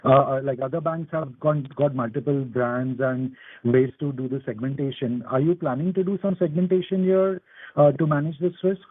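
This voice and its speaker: A man's voice: medium pitch, steady tone, normal speed. A man asking questions as an analyst on a conference call, hesitant and hedging in his phrasing. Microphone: telephone. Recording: dry, narrow phone line.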